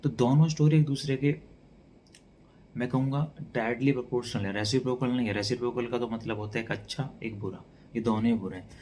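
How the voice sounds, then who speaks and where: A man teaching a relaxed exam-prep lecture, mixing Hindi with English and speaking calmly and softly. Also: medium pitch, a little fast, slight background noise. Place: indoors at night.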